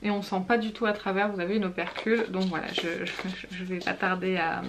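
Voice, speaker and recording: A woman talks through a casual product haul at home, chatty and hesitant, stopping now and then to read product labels aloud. Her voice sits at a middle pitch, and a faint noise hangs behind her. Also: flat delivery, brisk. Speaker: beauty vlogger.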